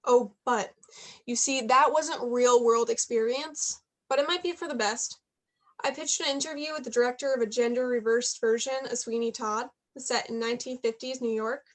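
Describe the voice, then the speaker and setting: A woman plays a driven young female journalist in a contemporary stage play. Her voice is distinctly high. She speaks frankly to a close friend, ambitious and easily frustrated. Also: steady tone, moderate pace, close to an everyday voice. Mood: frustrated, venting.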